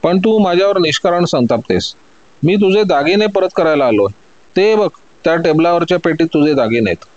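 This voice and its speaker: A man voicing a gentlemanly male thief who speaks calmly and reassuringly. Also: on the high side, fairly quick, no room sound, lo-fi sound, pitched above the performer's own voice, natural voice. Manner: calm, reassuring. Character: gentlemanly masked male thief, soft-spoken.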